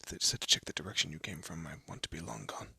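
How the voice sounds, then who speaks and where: A man playing a haughty but secretly soft young elf prince in a scripted roleplay audio drama, with a pompous, formal manner and a breathy, often hushed voice. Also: extremely low pitch, expressive, very fast, dry recording, clean studio sound, heavily acted. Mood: urgent, curt. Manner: pompous, formal, flustered stammering.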